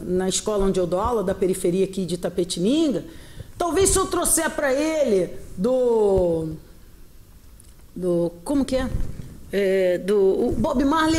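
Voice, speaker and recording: In an echoey room with a bit of hiss or hum, a high-pitched middle-aged woman from Rio de Janeiro, Brazil, talks in an animated interview as a guest. An English teacher with a Carioca Brazilian Portuguese accent, she is expressive, frequently laughing and acting out quoted dialogue.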